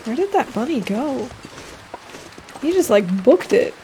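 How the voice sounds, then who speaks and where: A woman streams a survival game and chats easily with her viewers, laughing often as she answers them by name. Her voice sits a little high. A faint noise runs underneath. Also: very animated, unhurried. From United States. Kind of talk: casual gameplay chat with chat readers.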